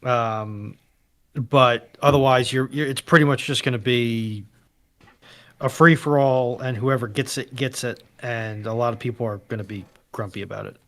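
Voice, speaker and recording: A man's voice: mid-range voice, fairly even intonation, normal speed, a bit bright. A man speaking casually as a co-host on a livestream. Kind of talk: casual chat.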